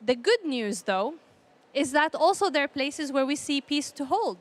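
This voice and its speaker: A woman from Palestine giving earnest, measured panel remarks in a formal style, often repeating phrases for emphasis. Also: high-pitched, big pitch swings. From Palestinian, grew up in a conflict country. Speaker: panel speaker, peace initiative representative.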